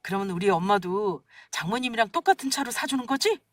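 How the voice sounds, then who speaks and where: A woman's voice: mid-range voice, lively intonation, fast talker, no room sound, close to an everyday voice. A woman voicing a sheepish, scheming husband who stammers and pleads, recorded dry and a little distant from the mic. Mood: smug.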